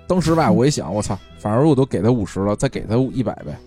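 Man, casual chat, quick talker, pitch leaping around, frequent cursing. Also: husky, soft background music. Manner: animated storyteller, swears freely, stammers restarts. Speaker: podcast co-host.

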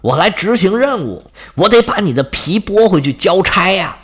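A man's voice: high-pitched, very animated, normal speed, a bit bright, breathy edge, exaggerated voice. A man voicing a strong young male hero who speaks bluntly and plainly. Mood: determined.

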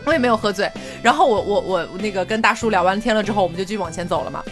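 A young woman from Chongqing with a Southwestern Mandarin accent, hosting a casual podcast chat and telling stories with lively laughter. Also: mid-range voice, rapid-fire, over music. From Chongqing, China. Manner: animated storyteller, laughs often, acts out dialogue. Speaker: podcast host.

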